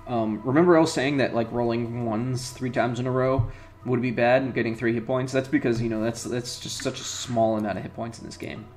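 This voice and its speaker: A man's voice: medium pitch, fairly even intonation, a little fast, darkish tone, soft background music. Rambling man commenting on a game. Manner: rambling, thinking aloud with fillers. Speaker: let's play host. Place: home room.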